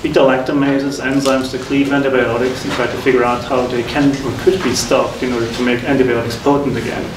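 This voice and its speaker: A man in his thirties from Switzerland, a faculty guest recounting his career path in a measured, reflective way. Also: mid-range voice, level tone. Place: lecture room with whiteboards. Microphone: room mic from a distance. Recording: echoey room, distant mic, noisy.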